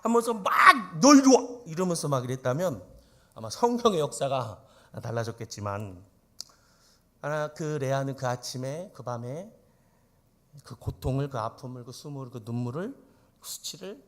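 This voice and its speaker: A man's voice: medium pitch, lively intonation, normal speed, pauses often. A male pastor preaching an emphatic sermon in church, often turning to the congregation with rhetorical questions.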